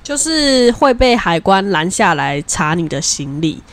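A woman co-hosts a casual podcast. She talks at an ordinary middle pitch in a relaxed, conversational manner. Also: a little slow. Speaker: podcast co-host. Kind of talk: casual chat.

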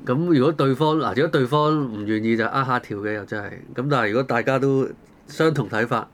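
A man's voice: medium pitch, quick pace, a little hiss or hum. A man with a Hong Kong Cantonese accent hosting a casual discussion, talking colloquially through rhetorical questions and everyday examples. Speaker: talk show host.

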